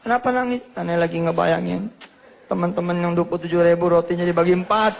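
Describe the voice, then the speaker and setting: A man's voice: high-pitched, fast, vocal fry, a little hiss or hum. A man preaching a storytelling sermon, acting out the dialogue as he tells the story. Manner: lively storyteller who acts out the dialogue. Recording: reverberant hall sound.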